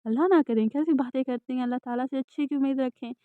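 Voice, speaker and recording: A woman voicing a poor, calm middle-aged father in an audiobook, speaking reassuringly. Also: sits high, no room sound, natural voice. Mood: consoling. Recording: dry, tinny phone-like sound.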